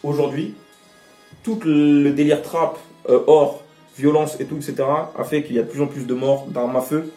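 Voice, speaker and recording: A French Guianese rapper, interviewed, airs outspoken opinions with passion and emphasis. His voice sits on the high side, steady and warm, at a moderate pace. The distant mic picks up a roomy echo and faint music.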